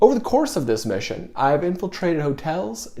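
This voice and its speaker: Over noticeable background noise, a man with a General American accent speaks at a fairly high pitch. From Arizona. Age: 20s. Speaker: online video creator. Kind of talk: monologue to camera. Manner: casual.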